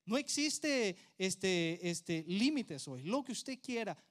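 A man voicing a wealthy businessman father who is loudly promising his son anything he wants, in a raised, insistent voice. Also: sits high, big pitch swings, takes it slowly, exaggerated voice. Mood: boastful. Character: boastful wealthy businessman father, eager to please.

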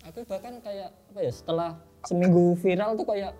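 A man's voice: high voice, brisk, dark tone, soft background music. A young man as a podcast guest, talking casually in a shy, rambling, self-deprecating way and laughing often. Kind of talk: casual interview chat.

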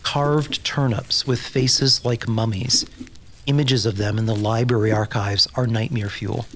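An actor playing a reflective, wry young vault dweller in an audio drama, speaking in a measured, pensive way. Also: male voice, on the low side, fairly even intonation, a little hiss or hum.

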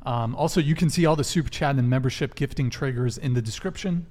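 A man's voice: mid-range voice, fast talker, a little mellow. A man hosting a live podcast, rattling off announcements in a brash, joking manner from a studio table. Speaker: podcast host.

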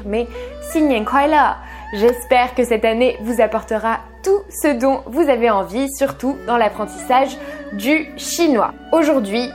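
A young woman teaching a beginner language lesson, upbeat and clear, modeling each word slowly before explaining it. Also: a little high.

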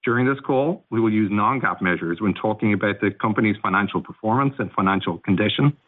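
A man reading a scripted introduction in a formal, businesslike way as an investor relations presenter. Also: fairly low pitch. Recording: tinny phone-line conference call.

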